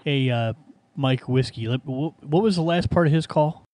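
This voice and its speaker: An amateur radio operator with an American accent talks casually during a ham radio contact, repeating key phrases in a higher-than-average voice at normal speed. Loud background noise and clicks fill the recording.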